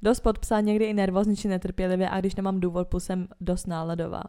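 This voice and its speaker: A woman's voice: fairly low pitch, flat delivery, dark tone, smooth. A young woman co-hosting a casual podcast chat, blunt and swearing, laughing often. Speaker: podcast co-host.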